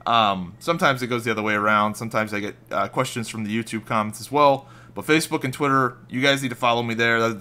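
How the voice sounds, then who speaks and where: A young man with a slightly raspy, just-woken-up voice, rambling casually and swearing freely as he talks over gameplay footage. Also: medium pitch, pushed and bright. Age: young adult. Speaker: gaming YouTuber.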